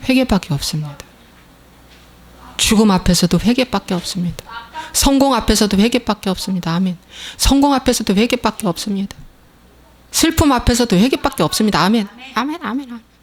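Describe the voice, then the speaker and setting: A woman pastor preaching a fervent sermon and prayer, shouting calls for amen and then dropping to soft pleading. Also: medium pitch, lively intonation, fairly quick.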